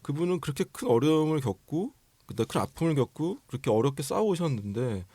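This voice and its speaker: A man, a film director, explaining his casting choices in an interview in a measured way. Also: fairly high pitch, expressive, dark tone, slightly rough, no room sound.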